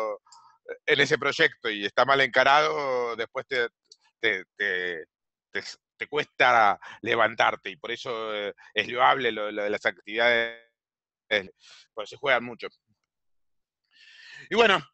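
Argentine guy in his 40s teaching an online class, slow and halting, crisp clear voice, dry sound. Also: mid-range voice, bright, forceful tone, dry recording. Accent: Rioplatense Spanish. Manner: halting, many fillers and repeated words. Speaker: online business coach. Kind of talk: virtual class presentation. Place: home room on a video call.

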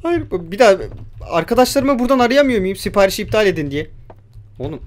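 A man's voice: high voice, big pitch swings, fast, a little hiss or hum. A young man giving casual let's-play commentary on a horror game, jumpy, swearing and talking back at the game's creatures. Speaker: gamer.

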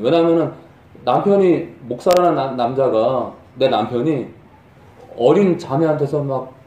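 A middle-aged male pastor giving a sermon in a conversational, animated way that rises to emphatic peaks. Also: mid-range voice, far from the mic. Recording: echoey room from off mic.

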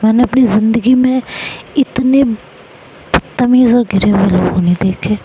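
A woman's voice: fairly high pitch, measured pace, background noise, close to an everyday voice. A woman voicing a young college student who lectures her partner in an exasperated tone, in an audio story.

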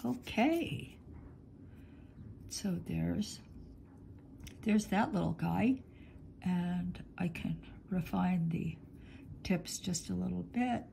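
A middle-aged woman teaching clay work in her home studio, talking slowly as she thinks aloud, a little sniffly. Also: fairly low pitch, gravelly, warm tone, a little hiss or hum. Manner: slow, thinking aloud while working with her hands. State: sniffly, congested. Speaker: polymer clay artist teaching. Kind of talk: relaxed studio demonstration. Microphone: overhead camera on hands, speaker off screen.

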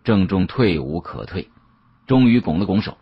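A man narrating an audiobook as a dramatic storyteller, with an expressive, suspenseful delivery and a husky voice. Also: deep voice, moderate pace. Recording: dull, muffled audio.

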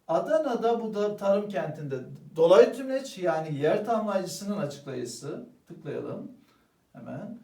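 Lively high-voiced man teaching grammar. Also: recorded from a distance. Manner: lively, addresses students as "arkadaşlar", asks and answers own questions. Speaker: Turkish language teacher. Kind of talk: exam-prep grammar lesson. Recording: roomy echo, voice a bit off-mic.

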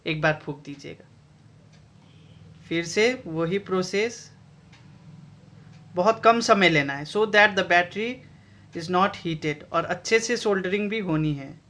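A man's voice: sits high, slow, pauses often, pushed and bright. A man with an Indian accent explaining step by step how to build a battery pack, switching between Hindi and English, while filming his workbench on a phone. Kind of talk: DIY tutorial. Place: indoor workbench.

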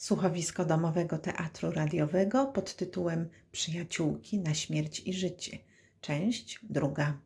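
A woman's voice: sits low, a little slow, gravelly, a little mellow. A woman announcer reading a scripted announcement for a radio play.

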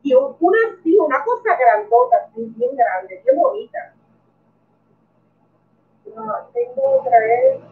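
A woman's voice: very high-pitched, big pitch swings, takes it slowly, pauses often. A middle-aged woman with a Puerto Rican accent hosts a live stream from her bedroom, chatting and greeting viewers by name. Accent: Puerto Rican Spanish. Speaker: coin collecting youtuber. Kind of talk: live stream chat reading comments. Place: bedroom at home. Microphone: webcam. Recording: tinny, distant webcam sound.

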